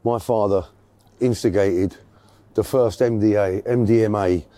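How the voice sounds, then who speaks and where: A man's voice: fairly low pitch, steady tone, unhurried, warm tone, no echo. A middle-aged man with a South London accent, chatting casually as an interview guest and telling stories in an effusive, affectionate way, repeating phrases for emphasis. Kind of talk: casual anecdotal chat.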